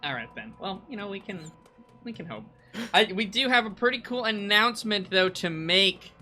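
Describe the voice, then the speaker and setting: A man casting a strategy game tournament with excitable, playfully exasperated banter. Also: high-pitched, normal speed. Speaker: esports caster. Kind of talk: live game commentary. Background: faint music.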